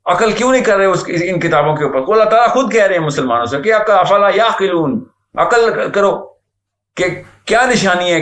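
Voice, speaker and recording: A man's voice: high voice, fairly bright tone, echoey room. A man speaking earnestly in a lecturing manner, mixing in English words, as a guest on a talk show. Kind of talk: Islamic talk show discussion.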